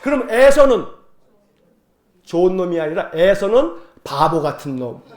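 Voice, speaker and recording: High-voiced pastor in an echoey church. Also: male voice, a little slow. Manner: lively colloquial storytelling with call-and-response. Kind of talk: sermon. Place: church sanctuary.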